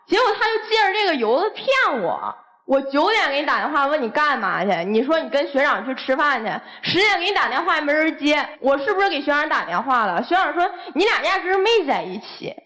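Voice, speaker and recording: A young woman speaks. Her voice sits high and leaps up and down as she piles on accusations. She sounds heated and insistent throughout. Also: big pitch swings, a bit bright. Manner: heated, accusing, rapid complaints. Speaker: guest on dating show.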